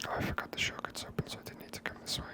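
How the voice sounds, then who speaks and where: Whispering ASMR gamer, hushed and unhurried. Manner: hushed, unhurried musing aloud. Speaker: gaming video host. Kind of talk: whispered ASMR game commentary.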